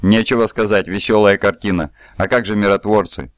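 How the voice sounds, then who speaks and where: Guy reading as a prickly woman reporter, short cool answers, a bit higher than his usual low voice. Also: steady tone, brisk, no room sound, studio quality, lightly acted. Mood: dry. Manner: curt, cool replies. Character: guarded war reporter woman, dry and sharp.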